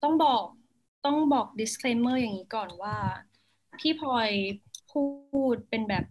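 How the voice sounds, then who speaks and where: Animated woman, fairly high voice. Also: measured pace, background noise. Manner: animated, laughs often, mixes English words. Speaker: journalist guest. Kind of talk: casual interview talk.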